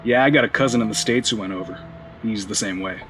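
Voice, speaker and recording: A man's voice: fairly low pitch, fast talker, fairly bright tone, soft background music, close to an everyday voice, poor audio. An actor playing a laid-back, supportive male friend with a dry sense of humour, in a naturalistic audio drama.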